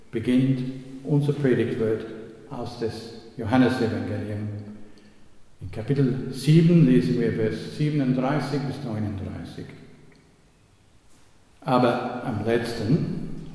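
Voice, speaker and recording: A man from Australia, giving a sermon as a pastor in slow, measured speech with occasional slips. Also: medium pitch, warm tone. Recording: echoey church hall, long reverb.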